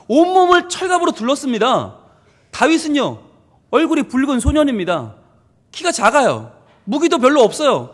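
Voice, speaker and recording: A man's voice: very high voice, long reverb tail. A male pastor giving an emphatic, conversational sermon with playful asides, recorded in a church.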